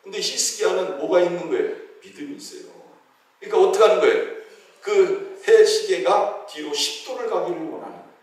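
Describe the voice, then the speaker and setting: A man's voice: high-pitched, a little fast, a little mellow. A man pastor preaching a sermon in a church. He keeps asking the congregation questions and answering them, and he acts out the voices of biblical figures. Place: church sanctuary. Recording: very echoey hall, heard from a distance.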